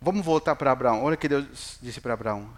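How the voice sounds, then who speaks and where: A man's voice: medium pitch, quick pace. A middle-aged man preaching in Portuguese, a pastor who jokes with the congregation and asks them questions. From Chile. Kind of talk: sermon.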